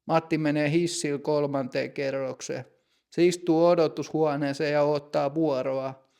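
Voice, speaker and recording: A man reads a simple learner's story aloud in a slow, clear, deliberate way. His voice sits a little high and carries a gravelly fry. The delivery is plain scripted narration for students. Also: steady tone, darkish tone. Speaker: language teacher narrator.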